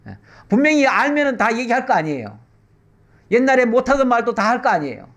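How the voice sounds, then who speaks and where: A middle-aged male pastor teaching the Bible in a conversational way, explaining with rhetorical questions and slow pauses. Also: extremely high pitch, sing-song, fairly bright tone.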